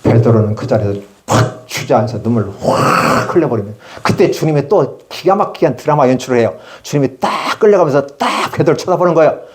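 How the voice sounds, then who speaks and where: A man's voice: medium pitch, a little fast, hardly any pauses. A middle-aged male preacher giving a sermon at a prayer retreat, telling stories and often putting questions to the congregation. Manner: lively storytelling, asks the congregation questions.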